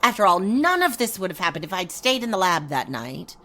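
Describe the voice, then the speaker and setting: An actress playing a serious, proud young female scientist, crisp and guarded, in a radio drama. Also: on the low side, sing-song, fairly quick, bright, forceful tone, slight background noise.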